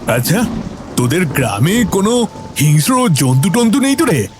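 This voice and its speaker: A man's voice: high-pitched, sing-song, normal speed, soft background music, pitched above the performer's own voice. A man voicing a frightened young male friend from the city in a storybook horror tale, stammering in panic. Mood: nervous.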